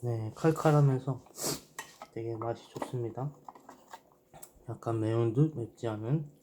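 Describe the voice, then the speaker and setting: A man's voice: mid-range voice, unhurried, warm tone, slight background noise. A man in his thirties from South Korea chatting casually to viewers as a mukbang vlogger, murmuring in an understated way between bites, recorded at a table in a small room. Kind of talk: casual eating-show chat to viewers.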